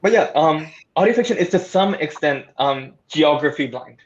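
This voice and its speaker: A man's voice: fairly high pitch, lively intonation, normal speed. A man speaking casually and chattily from a remote call as a panelist on audio fiction. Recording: dull lo-fi online call.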